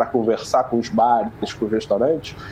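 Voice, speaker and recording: There is noticeable background noise as a man talks at a moderate pace with ordinary pitch variation. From Brazil, Rio de Janeiro. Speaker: podcast co-host. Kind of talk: casual chat.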